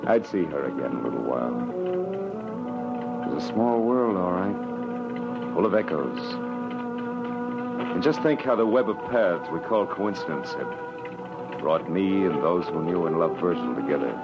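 A very low-pitched, hard-boiled private eye tells his story in tough, deliberate phrases. He is wry and world-weary in the manner of 1940s radio noir. The old broadcast is muffled, with music behind him. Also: lively intonation. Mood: wistful narration. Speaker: lead actor and narrator. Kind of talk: 1940s radio drama acting, first-person noir narration.

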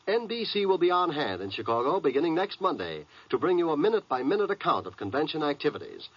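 A man's voice: fairly high pitch, breathy edge. A man with an American accent reading scripted 1950s network radio promotions. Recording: dull old radio recording.

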